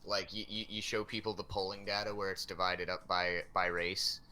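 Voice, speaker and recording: Male guest in casual chat, low but bright voice, hesitant. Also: flat delivery, normal speed, slight background noise. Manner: hesitant, many fillers.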